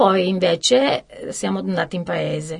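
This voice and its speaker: A woman's fairly low voice with vocal fry at a fairly slow pace, over a quiet background. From Sicily. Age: 60s. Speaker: guest sharing life story. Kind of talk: testimony.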